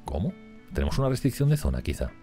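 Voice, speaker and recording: A man's voice: fairly low pitch, sing-song, quick pace, warm tone, soft background music. A man with a Spain Spanish accent giving chatty let's-play commentary, thinking aloud and talking to his game characters. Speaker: gaming channel host.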